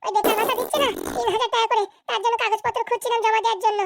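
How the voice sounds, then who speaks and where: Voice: very high-pitched, flat delivery, racing, creaky, background noise. A performer voicing a meek, evasive young wife in a Bangla comedy cartoon, placating and protesting. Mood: pleading.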